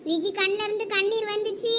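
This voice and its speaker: A woman's voice: very high voice, fairly even intonation, brisk, very noisy. A woman with a Thoothukudi Tamil accent, voicing female cartoon characters in a chatty dialogue voice. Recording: faint background ambience.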